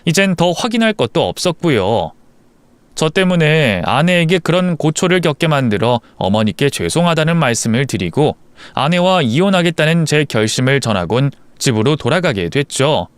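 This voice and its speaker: A man narrating a family story in first person, calm in narration and harsh and scornful when confronting. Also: on the high side, moderate pace, clear, resonant tone, no echo.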